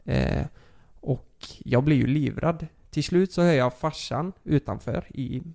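A young man talks in a relaxed, chatty way. His story wanders, full of fillers and restarts. His mid-range voice has a gravelly edge. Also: medium pitch. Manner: rambling, many fillers and restarts. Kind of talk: casual storytelling.

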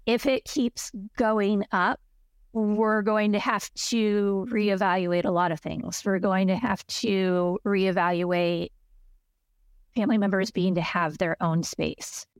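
A woman's voice: mid-range voice, fairly even intonation, takes it slowly, clean tone, no room sound. Woman in her 40s, renter, earnest plain talk, dry close recording. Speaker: interviewed renter. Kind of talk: interview testimony.

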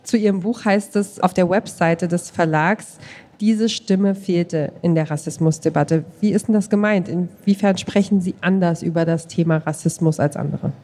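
Mellow-voiced woman radio interviewer. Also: on the low side, moderate pace, a little hiss or hum. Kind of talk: live interview moderation. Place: live at a book fair.

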